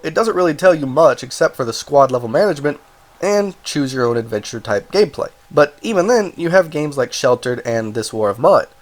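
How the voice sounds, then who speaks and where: A man with a cold and a stuffed-up voice, casually reviewing a video game, rambling and correcting himself as he goes. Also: fairly high pitch. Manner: rambling, self-correcting, apologetic asides. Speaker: game reviewer, channel host.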